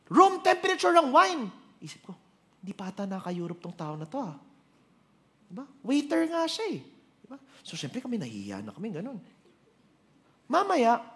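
A man with a Filipino accent preaches a sermon, telling stories animatedly and switching between Tagalog and English. His voice sits high.

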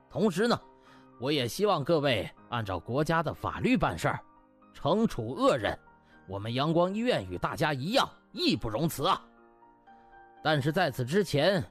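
A man voicing a scheming hospital director, pompous and officious, in a comic audiobook. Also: mid-range voice. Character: smug, scheming male hospital director feigning righteousness.

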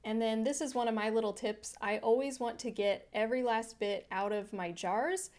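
A woman's voice: fairly high pitch, normal speed, darkish tone. A woman hosting a home cooking channel, narrating her meals in a friendly, chatty voice-over that explains each step. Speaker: vegan cooking channel host.

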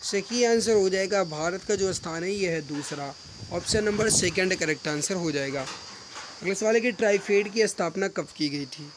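A man teaching an exam-prep mock test online, reading out questions and answers briskly and addressing viewers as friends, often repeating himself. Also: high voice. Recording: rattling wind noise in the background. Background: wind noise from a storm outside.

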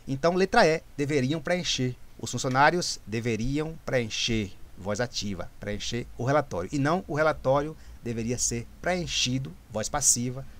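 Man, exam tutor, explanatory, repeats himself, mid-pitched voice. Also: no echo. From Brazil. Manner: explanatory, repeats and self-corrects, frequent "né?".

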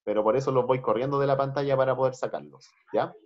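A man's voice: medium pitch, fairly even intonation, quick pace. A man teaching English on a video call, patient, switching between Spanish and English and repeating phrases. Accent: Chilean Spanish. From Chile. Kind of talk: online class teaching. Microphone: computer mic on a video call. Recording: dull lo-fi video call audio.

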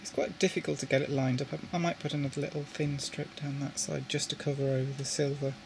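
A man's voice: medium pitch, level tone, creaky. A British hobbyist talks through his model railway work in a casual, unscripted way. He stumbles and repeats himself as he handles the parts, in a middling voice with a faint hiss in the room. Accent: British English. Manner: halting, repeats words while handling parts. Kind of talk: casual hands-on tutorial. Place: indoors at a table with a model railway.

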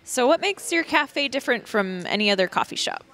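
A woman interviewing on location in a cafe, asking polite, measured questions into a handheld mic. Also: fairly high pitch, sing-song, creaky, fairly bright tone. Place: board game cafe.

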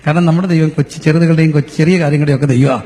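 A man's voice: on the high side, fairly even intonation, rapid-fire, dark tone. A middle-aged man from Kerala, preaching a sermon as a pastor, telling playful stories to the congregation. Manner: storytelling, playful, addresses the crowd as children. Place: church or convention hall. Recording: long hall reverb.

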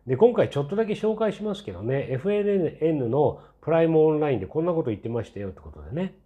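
A man's voice: a little high, sing-song, fast, phone-quality sound. A man in his sixties hosting his own channel, giving a casual, rambling opinion commentary full of fillers, with a mildly skeptical, mocking edge. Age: 60s. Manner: chatty and rambling, many fillers and tag asides. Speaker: channel host.

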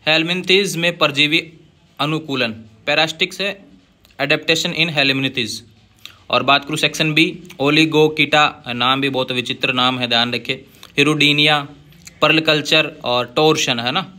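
A man tutoring students through exam guess questions in a casual lesson, reading each question aloud and dropping in friendly asides, with English terms spelled out slowly. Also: a little high, fairly even intonation, sharp tone. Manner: reads questions aloud, adds "है ना" and "भैया" asides. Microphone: voice-over on screen recording.

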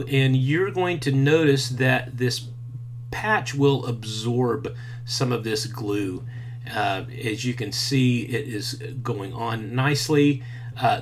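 A man in his fifties walks through a craft tutorial at an unhurried pace, talking casually with frequent fillers. His voice sits at an ordinary pitch. A faint hum runs underneath the recording. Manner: relaxed and chatty, many fillers. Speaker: maker teaching a craft. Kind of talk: hands-on tutorial. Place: indoors at a workbench, later outdoors by a farm fence.

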